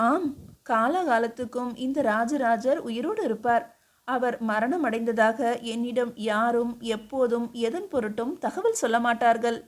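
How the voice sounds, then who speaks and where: A woman's voice: fairly high pitch, measured pace, natural voice. A woman voicing a humble, devoted queen who speaks earnestly and pleadingly, in an audiobook reading. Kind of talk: audiobook character voice.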